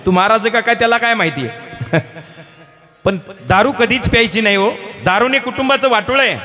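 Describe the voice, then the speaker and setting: A man's voice: high voice, moderate pace, bright, forceful tone. A man preaching a devotional kirtan sermon, telling comic stories in an earnest tone and addressing the audience as elders. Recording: echoey hall with live instruments.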